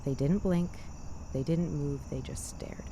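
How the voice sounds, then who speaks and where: A woman hosting a scary story show, narrating a scripted bedtime tale in a measured, deliberate way with dramatic pauses. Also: low-pitched, steady tone, warm tone, slight background noise. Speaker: host of a spooky story podcast.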